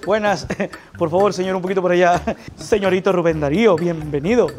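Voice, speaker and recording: A fussy palace guard, as a comic puts him on, fawning over visitors and ordering others about. The voice is raised and loud. The delivery stays officious. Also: mid-range voice, brisk, close to an everyday voice.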